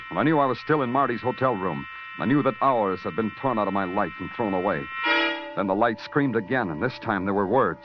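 Brief: actor as a world-weary cop narrator, low, lively delivery, dull old radio with music. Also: male voice, natural voice. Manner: dry wisecracking, terse noir narration. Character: hard-boiled male police detective. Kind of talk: 1950s radio noir narration.

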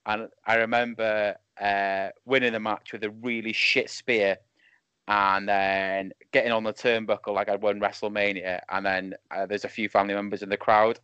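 A man in his thirties with a lisp, talking casually as a podcast guest over a remote call, self-deprecating and halting. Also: fairly low pitch, level tone, bright, forceful tone, clean tone, no echo. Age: 30s. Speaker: podcast guest, wrestling referee. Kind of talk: casual chat. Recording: dull lo-fi call audio.

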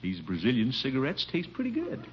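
An actor playing a pompous, blustering middle-aged water commissioner in a 1950s radio sitcom, boastful and chuckling. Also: male voice, medium pitch, wildly swooping pitch, brisk, noisy background. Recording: dull old radio broadcast recording.

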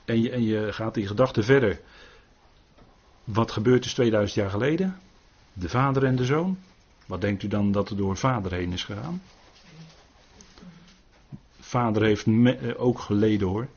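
A man's voice: lowish voice, normal speed, pauses often, a little mellow, breathy edge, muffled recording. An older man leading an informal Bible study, earnest, often adding tag questions and restarting his sentences.

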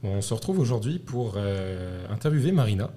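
A man hosting a student podcast, asking questions in a relaxed, hesitant way with frequent fillers. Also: lowish voice, moderate pace, a little hiss or hum. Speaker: podcast host. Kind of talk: casual interview.

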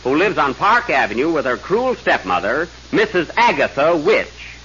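A man's voice: a little high, big pitch swings, moderate pace, bright, forceful tone. A man narrating a scripted radio comedy as its announcer. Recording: muffled old radio recording.

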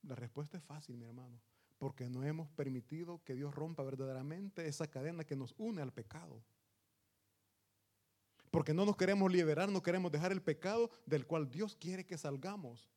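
A man delivers a sermon in an earnest, emphatic way, calling his listeners brothers. His voice sits somewhat higher than most men's. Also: normal speed, a little mellow. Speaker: preacher.

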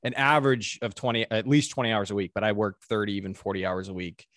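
A man's voice: lowish voice, fairly even intonation, quick pace, fairly bright tone, no echo, clean studio sound. A young man chatting casually about college in a laid-back way, filling his speech with "like". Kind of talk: casual chat.

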